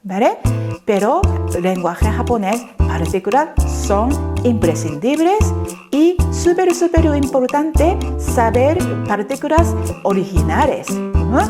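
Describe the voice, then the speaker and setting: A woman's voice: fairly high pitch, sing-song, over loud music. A woman whose first language is Japanese, teaching a Japanese lesson in Spanish and checking often that her students follow. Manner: slow, careful explanations with frequent "¿vale?" checks.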